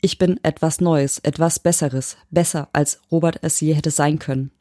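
A woman's voice: deep voice, steady tone, moderate pace, mellow, no room sound, clean studio sound, natural voice. Robert, a woman reading a cold smart-home AI. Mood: cold, devoted. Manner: emotionless, mechanically patient. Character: possessive smart-home AI, a dead husband's mind. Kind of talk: audiobook reading.

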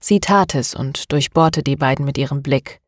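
A woman narrates a novel in a steady, measured way, her voice low. The recording is close and dry, with no room around it. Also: dry recording. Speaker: audiobook narrator. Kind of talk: scripted narration.

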